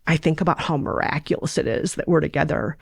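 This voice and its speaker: A woman's voice: deep voice, fairly even intonation, quick pace, gravelly, breathy edge, no room sound, studio quality, exaggerated voice. A woman reading aloud as an earnest, smitten young male race driver in a romance story, tender and open.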